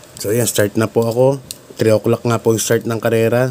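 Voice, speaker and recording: Over noticeable background noise, a man speaks at a medium pitch in a monotone, flat delivery. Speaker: horse racing tipster. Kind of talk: betting tips commentary. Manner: halting.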